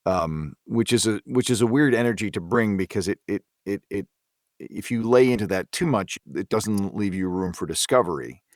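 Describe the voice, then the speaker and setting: A man speaking as a voice actor in a casual interview, thoughtful and halting, often repeating words as he searches for phrasing. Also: fairly low pitch, no room sound, studio quality. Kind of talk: casual cast discussion.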